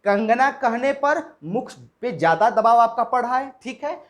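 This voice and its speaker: A man giving a Hindi lesson in lecture style, asking his own questions and answering them, pausing to check in after each point. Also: extremely high pitch, lively intonation. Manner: drills example words slowly one by one. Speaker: Hindi teacher.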